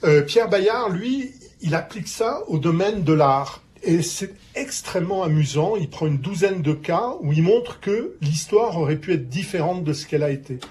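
A man presenting a book on the radio, explaining calmly with fillers. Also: high voice, normal speed, hardly any pauses. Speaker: book commentator.

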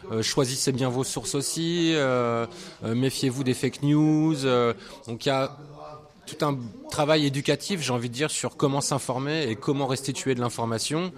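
Man running a radio show, explains things calm and measured, lots of euhs. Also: mid-range voice. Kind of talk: interview explanation.

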